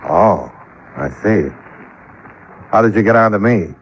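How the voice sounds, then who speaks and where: An actor playing a cool, shrewd, laconic insurance investigator in 1950s radio detective style. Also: male voice, fairly low pitch, lively intonation, measured pace, breathy edge. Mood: cool, guarded. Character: cool, wry, shrewd male insurance investigator narrating his case. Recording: dull lo-fi old radio recording.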